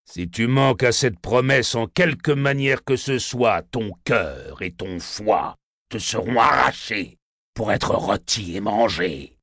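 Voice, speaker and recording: A slow, threatening rough convict, put on by a male narrator of a storybook reading. The voice sits low and is recorded dry and close. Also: lively intonation, fairly bright tone, no room sound, full character voice. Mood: menacing. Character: menacing rough male escaped convict, middle-aged.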